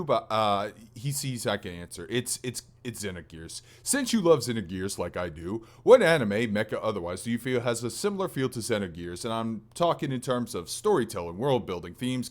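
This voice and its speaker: A man's voice: fairly low pitch, sing-song, brisk, hardly any pauses. A man co-hosting a casual gaming podcast, chatting and reading out listener questions. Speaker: podcast co-host.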